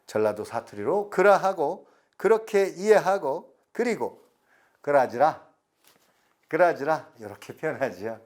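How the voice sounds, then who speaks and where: A middle-aged man, giving a recorded lecture slowly and deliberately, stretching words and pausing. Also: a little high, big pitch swings. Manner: slow, deliberate explanation with drawn-out words and pauses.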